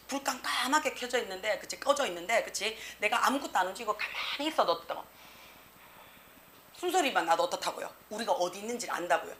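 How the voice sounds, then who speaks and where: Lively woman teaching English. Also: mid-range voice, slight background noise. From South Korea. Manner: lively, rhetorical questions, slangy asides. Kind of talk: exam prep lecture.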